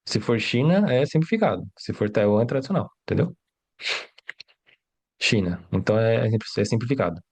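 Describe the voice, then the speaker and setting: A man's voice: mid-range voice, lively intonation, brisk, a little mellow, husky. A man teaching in a casual live stream, chatty and reassuring, who keeps checking in with his viewers and answers their questions as he goes. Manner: chatty, asks "né?" and "tá?" constantly. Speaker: Mandarin teacher.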